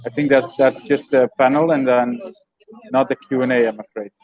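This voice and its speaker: A man from the Netherlands, a guest speaker talking over a video call from a village cafe, halting with restarts. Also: mid-range voice, steady tone, darkish tone, soft background music, low-quality recording. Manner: halting, many restarts and fillers. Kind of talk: casual video call chat. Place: cafe in a small mountain village.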